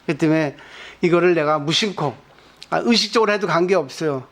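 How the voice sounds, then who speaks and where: This monk's sermon at a weekend temple service is conversational and full of rhetorical questions directed at listeners. He is male, with a fairly high, slightly bright voice, and speaks fairly quickly.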